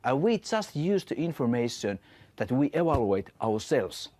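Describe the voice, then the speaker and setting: A man's voice: mid-range voice, big pitch swings, normal speed, dark tone. A man whose first language is Finnish, answering interview questions about his school in plain, slightly broken English.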